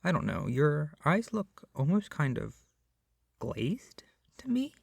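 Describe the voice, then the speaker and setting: A man performing an ASMR roleplay as a doting, awkward, possessive young male kidnapper, speaking softly and hesitantly. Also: a little high, very animated, slow pace, gravelly, husky, no room sound, studio quality, full character voice. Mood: calm, doting. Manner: soft, hesitant, rambling, often dropping to a whisper. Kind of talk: ASMR roleplay addressed to the listener.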